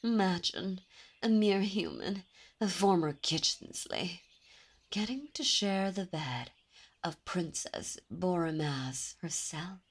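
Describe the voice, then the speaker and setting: A woman's voice: breathy edge, heavily acted. A woman playing a silky demon princess. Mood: seductive. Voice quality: slow, low, silky and commanding, with soft whispers. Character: dominant female demon princess, haughty and possessive. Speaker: voice actor. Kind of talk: ASMR roleplay audio. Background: birdsong and ambient sound effects.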